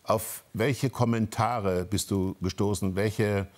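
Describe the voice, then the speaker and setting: A man's voice: on the low side, fairly even intonation, slow. A man moderating a panel talk, asking long, winding, probing questions. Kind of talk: panel interview.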